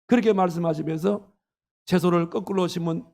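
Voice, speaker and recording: A man's voice: high-pitched, fairly quick, creaky, a little mellow. A man preaching as a pastor, earnestly retelling a story with its quoted dialogue. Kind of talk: sermon. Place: church sanctuary.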